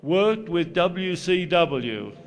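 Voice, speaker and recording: An older man with an Australian accent, preaching a sermon in short, measured phrases that pause for an interpreter. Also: sits high, sing-song, vocal fry. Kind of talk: sermon delivered through an interpreter.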